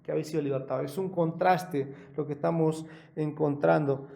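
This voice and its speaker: A man preaching a sermon with a fairly high, gravelly voice that has a mellow, dark tone. He talks conversationally, corrects himself mid-sentence, tosses in rhetorical questions, and hits key words louder. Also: fairly even intonation, a little fast. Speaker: pastor.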